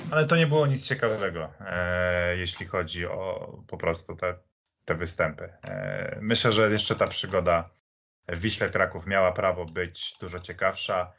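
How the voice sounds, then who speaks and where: A man's voice: low-pitched, fairly bright tone, muffled recording. A man giving casual, opinionated football commentary as a podcast panelist, repeating himself for emphasis.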